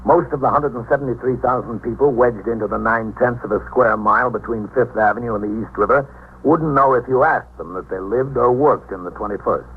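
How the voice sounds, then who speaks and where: An actor playing a calm police captain who narrates in a measured, matter-of-fact 1950s radio drama style. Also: male voice, medium pitch, breathy edge, natural voice. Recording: tinny old radio recording with faint hiss.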